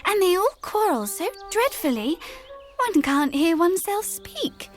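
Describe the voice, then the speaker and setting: A woman voices a plaintive, proper little girl from a storybook. She grumbles primly in a high, animated voice with soft music behind. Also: a little slow, full character voice. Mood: complaining. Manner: plaintive, prim.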